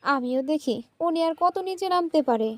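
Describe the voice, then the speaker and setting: A woman's voice: extremely high pitch, animated, normal speed, dry recording, pitched above the performer's own voice. A woman voicing a mistreated young female student who speaks in a tearful, pleading way.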